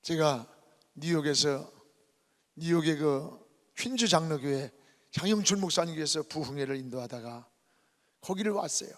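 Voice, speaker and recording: A middle-aged male pastor preaching a revival sermon, telling a story dramatically and swinging between hushed whispers and loud cries. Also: fairly high pitch, normal speed, long pauses. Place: church sanctuary. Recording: hall reverb.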